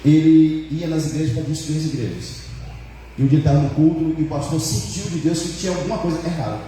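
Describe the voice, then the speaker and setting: A man, a pastor, telling a personal story in a sermon, animated and repetitive, full of fillers. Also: a little high, fast, slight background noise. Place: church hall. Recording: echoey church hall, mic far off.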